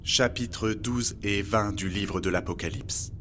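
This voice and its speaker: A man playing a knowledgeable guide in a scripted audio drama, explaining old human myths in a measured, didactic way. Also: lowish voice, background noise. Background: music.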